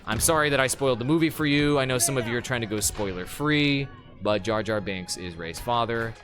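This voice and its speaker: A man's voice: mid-range voice, a little fast, over music. A man doing casual live gameplay commentary, chatting with viewers in a slangy, joking manner. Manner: slangy, joking, talks to chat. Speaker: live game streamer. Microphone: streaming microphone.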